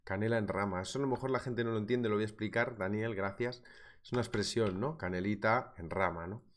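A man's voice: on the low side, a little fast. A man in his thirties with a Spanish accent from Spain, hosting a live trading webinar from a small room, talking through a sore throat from a cold. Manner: lively, chatty, addresses viewers directly. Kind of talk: live market analysis webinar, reading viewer comments. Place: small indoor room at a desk.

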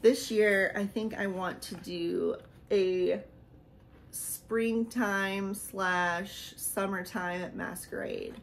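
Woman in her thirties, gravelly voice, a little hoarse, chatty and rambling, faint background noise. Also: mid-range voice, steady tone, extremely slow. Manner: chatty, rambling, laughs often. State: losing her voice. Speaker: vlogger showing a haul. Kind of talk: casual haul vlog. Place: small decorated room indoors.

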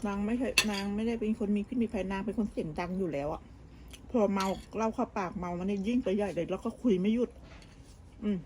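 A woman's voice: mid-range voice, fast, background noise. A woman vlogger, chatting casually and gossiping about family while cooking at home, often restarting her sentences. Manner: gossipy, talks with many restarts and fillers. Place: home kitchen abroad.

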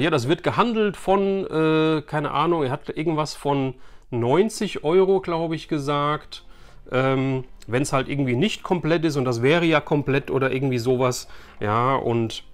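A man in his forties chatting casually and animatedly to the camera as a host of a collectors' video channel. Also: medium pitch. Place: small furnished room lined with collectible shelves, indoors.

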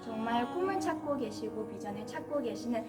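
A woman from a church youth group announcing an event over a PA system in a bright, inviting tone. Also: on the high side, lively intonation, brisk. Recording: echoey hall with loud music.

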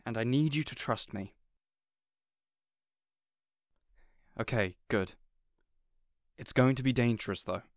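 Guy acting out a flustered villain boss in an audio rp, earnest n protective, mid pitch, dry close sound. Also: normal speed, dry recording, close to an everyday voice. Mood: apologetic, resolute. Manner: earnest, exasperated, wholesome mild oaths. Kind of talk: audio roleplay addressed to the listener.

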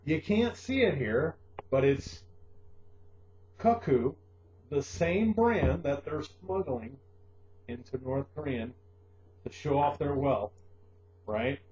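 A middle-aged man hosting a casual news lesson for English learners, joking sarcastically and pausing to explain words. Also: a little high, animated, a little mellow, roomy sound. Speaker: host of an online English lesson show. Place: small room at a desk. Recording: muffled, noisy webcam audio with hum.

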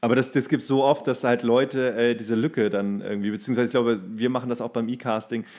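A man's voice: medium pitch, fairly even intonation, fairly quick, a little mellow. A man in his thirties co-hosting a podcast, casually telling anecdotes and acting out quotes as he goes. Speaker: podcast co-host; actor.

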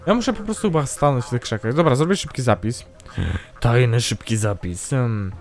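Over faint background music, a man gives brisk, casual let's-play commentary on his gaming channel in a mid-range voice. He's chatty and self-mocking, talking to himself while playing.

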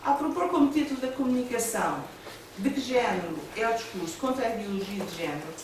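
A woman with a European Portuguese accent giving a measured academic conference talk, partly read from notes, with hesitant asides. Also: on the high side, lively intonation. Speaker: academic speaker. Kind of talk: conference presentation. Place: seminar room with a panel table. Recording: echoey room, distant mic, background noise.

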